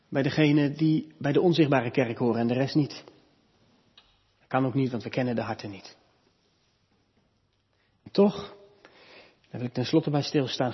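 A man preaching a sermon in a church, teaching earnestly, lifting his voice for emphasis and dropping soft at the ends of points. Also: mid-range voice, husky. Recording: reverberant church hall, dull lo-fi sound.

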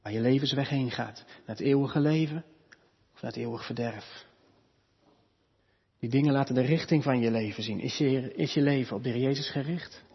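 A man preaching a sermon in a church, teaching earnestly, lifting his voice for emphasis and dropping soft at the ends of points. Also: medium pitch, moderate pace, husky. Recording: reverberant church hall, dull lo-fi sound.

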